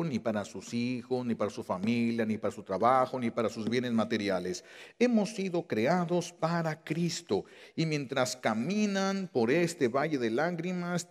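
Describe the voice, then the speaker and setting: A man preaching a Catholic sermon with fervor, his fairly high voice leaping up and dropping low as he presses his points. He repeats key phrases and slows right down to hammer them home. His words ring out into a long, reverberant hall. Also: a little mellow. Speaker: Catholic priest.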